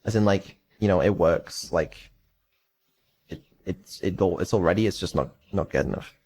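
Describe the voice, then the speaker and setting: A man's voice: low voice, moderate pace, dark tone, breathy edge. A man giving a casual live stream update as a developer, rambling and hesitant with many ums and offhand swearing.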